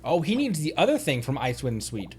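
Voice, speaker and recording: A man's voice: mid-range voice, wildly swooping pitch, fairly quick, a little mellow, faint music behind. A man chatting casually on a live game stream, thinking aloud in a rambling way with silly little interjections. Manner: playful, silly interjections and nonsense words.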